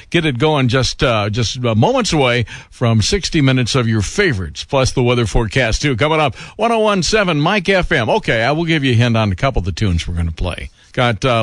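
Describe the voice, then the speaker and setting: A man's voice: mid-range voice, fairly bright tone, no echo, clean studio sound. An American man working as a radio DJ, with upbeat, jokey, conversational patter between songs. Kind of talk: upbeat adult contemporary radio patter with weather reads. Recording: radio broadcast over music beds. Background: music.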